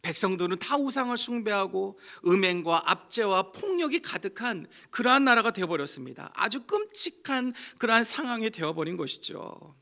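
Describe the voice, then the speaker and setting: A man's voice: high-pitched, sing-song, moderate pace, vocal fry, hardly any pauses, sharp tone. A middle-aged male pastor preaching a sermon with passion, reading scripture aloud and voicing the prophet's complaints.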